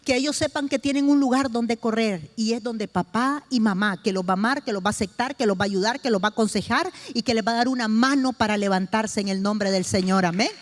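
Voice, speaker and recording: High-voiced woman preaching emphatically. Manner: emphatic, slow, repeating key phrases for stress. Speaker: pastor preaching to a congregation. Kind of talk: sermon with personal testimony.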